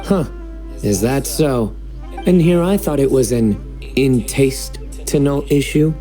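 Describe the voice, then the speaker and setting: A man voicing a cool, composed video game character with a deadpan, teasing way of talking. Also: mid-range voice, takes it slowly, faint music behind. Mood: dry, teasing.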